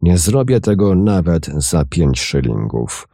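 A man's voice: low voice, big pitch swings, slow, gravelly, slightly rough, dry recording, clean studio sound, heavily acted. A man voicing a frightened young male sailor who speaks nervously in a storybook reading. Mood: reluctant. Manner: nervous, hushed.

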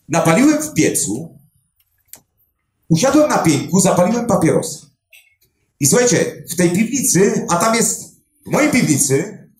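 Older man, storyteller, high voice, lively swooping pitch, echoey hall, live audience. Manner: emphatic, animated retelling with dramatic pauses. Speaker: clairvoyant body finder. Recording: roomy echo.

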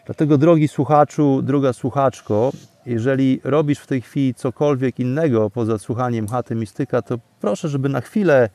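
A man leads a guided breathing meditation in a dark, relaxed voice at an average male pitch. He speaks deliberately and soothingly, leaving pauses between phrases. He is outdoors in a forest, with birdsong around him. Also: no room sound. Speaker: podcast host and meditation guide. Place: outdoors, sitting in a forest among bamboo. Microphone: microphone exposed to wind.

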